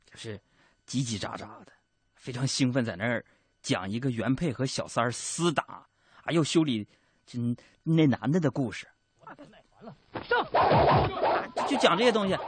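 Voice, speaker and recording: A man's voice: fairly high pitch, breathy edge, dry recording. A male radio host, telling jokes in a comic monologue from a studio and laughing at his own punchlines.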